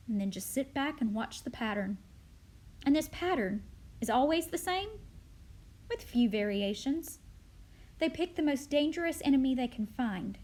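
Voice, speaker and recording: A woman voicing a calculating alien conqueror in a drama script, explaining in a measured, matter-of-fact way. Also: sits high, a little mellow. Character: calm, calculating alien conqueror, coolly contemptuous.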